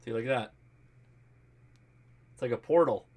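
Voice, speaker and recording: An American man hosting a casual livestream about a hobby, reading out and answering viewer comments in an animated, jokey, colloquial way. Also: mid-range voice, a little slow. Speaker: host of a ham radio livestream.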